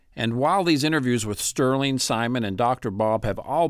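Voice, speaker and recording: The recording is very clean with a silent background. A man speaks at a medium pitch and a moderate pace. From Mesa, Arizona. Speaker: podcast host. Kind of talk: scripted narration with banter. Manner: wry, humorous.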